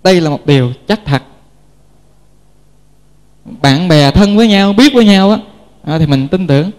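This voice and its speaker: A man's voice: high voice, expressive, moderate pace, darkish tone. A Buddhist monk with a Southern Vietnamese accent giving a folksy, joking sermon and speaking directly to his listeners in a temple hall. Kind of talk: sermon with humorous stories. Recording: reverberant hall.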